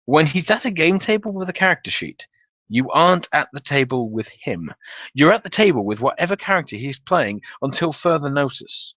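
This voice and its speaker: Animated man narrating a dramatic comic tale. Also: a little high, normal speed, no echo, dull audio. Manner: theatrical storytelling with wry emphasis. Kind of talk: dramatic reading of a comic tabletop-game story.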